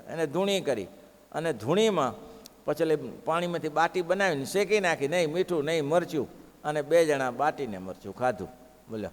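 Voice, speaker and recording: A man with a Gujarati accent tells devotional stories as a preacher, acting out the characters' lines. His voice sits on the high side. The sermon rings with the long reverb of a large hall. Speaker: preacher telling scripture stories.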